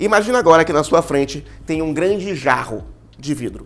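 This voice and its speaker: A man's animated voice, fairly high in pitch, with ordinary pitch variation and vocal fry. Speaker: course instructor. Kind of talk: lecture; guided visualization exercise. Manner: fast.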